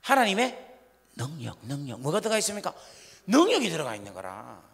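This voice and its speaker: A man's voice: fairly high pitch, wildly swooping pitch, a little fast, vocal fry, fairly bright tone. A man preaching a revival sermon in a church, questioning the congregation and acting out scolding parents. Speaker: pastor. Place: church sanctuary. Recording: long church hall reverb.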